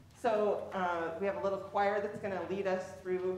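A woman speaks amid light background noise, with the room's echo clearly audible. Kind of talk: announcements to congregation. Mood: friendly, lightly humorous. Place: church.

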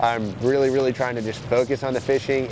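A man's voice is heard with music in the background. The sound is dry, with no echo. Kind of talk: interview answer. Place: hall.

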